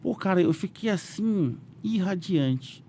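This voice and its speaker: A man's voice: slow, a little hiss or hum. A businessman with a Brazilian Portuguese accent, a guest telling his story animatedly in a casual interview and acting out quotes. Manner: animated, voices quotes with raised pitch, frequent "né?" fillers.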